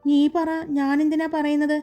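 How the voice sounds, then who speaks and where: A woman's voice: high voice, little pitch movement, normal speed, warm tone, faint music behind, pitched above the performer's own voice, lightly acted. A woman reading the lines of a stubborn, complaining young man in a storybook narration. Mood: grumbling.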